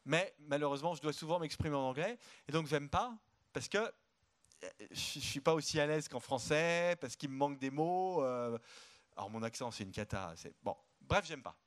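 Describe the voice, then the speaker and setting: A man with a fairly high voice talks as a guest economist at a conference. He is outspoken and emphatic, and he often repeats words as he gets going. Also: lively intonation, normal speed. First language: French. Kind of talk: live stage interview. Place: conference stage.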